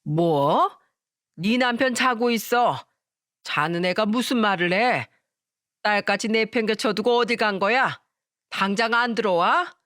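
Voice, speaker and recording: A shrill, accusing mother-in-law of later years barks her suspicions in a raised, sharper voice, as a woman reader puts her on. The sound is close and dry, with no room around it. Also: normal speed, fairly bright tone, dry recording, lightly acted. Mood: scolding. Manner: scolding, accusing.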